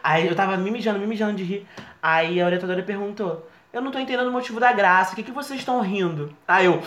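Brief: quick, lively young male storyteller, laughs a lot, echoey room. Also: sits high, background noise. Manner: animated, laughs often, acts out voices in anecdotes. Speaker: podcast co-host. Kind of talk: casual storytelling chat. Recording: roomy echo.

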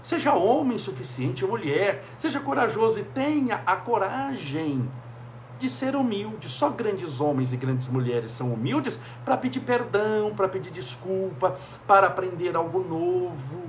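A man's voice: sits high, lively intonation, unhurried, slight background noise. A man from Brazil giving a motivational talk, full of emphatic rhetorical questions. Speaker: speaker.

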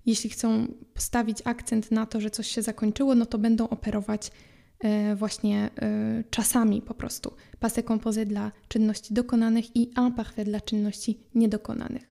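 Mellow-voiced Polish-speaking woman teaching French. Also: on the high side, flat delivery. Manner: clear and explanatory, spells out letters slowly. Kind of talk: podcast language lesson.

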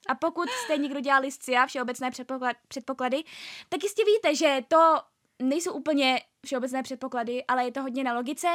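A young woman telling a story in casual chat as a podcast co-host, lively and full of fillers. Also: high-pitched.

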